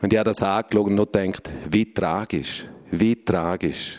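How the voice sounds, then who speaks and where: Moving at a very slow pace, a man speaks with fairly even intonation. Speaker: former addict giving testimony. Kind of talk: testimony. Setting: stage with audience.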